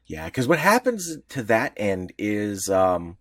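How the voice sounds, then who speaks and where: A man co-hosting a podcast, explaining at length and restarting his sentences as he goes. His pitch jumps up now and then, and his voice is close and dry with no room sound. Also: very animated, takes it slowly, a bit bright, no echo. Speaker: podcast co-host. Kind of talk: casual podcast discussion.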